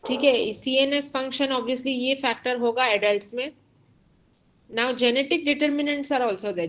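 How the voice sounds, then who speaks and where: A woman with an Indian accent lectures at an unhurried, deliberate pace, her voice sitting somewhat high. She explains each point patiently and moves freely between Hindi and English as she teaches. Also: low-quality recording. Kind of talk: online lecture.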